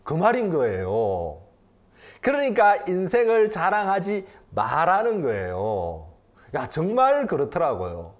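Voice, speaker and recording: A man in his fifties, a pastor preaching a sermon, swinging from loud emphatic lines to quiet intimate ones and repeating phrases for emphasis. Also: a little high, wildly swooping pitch, a little slow.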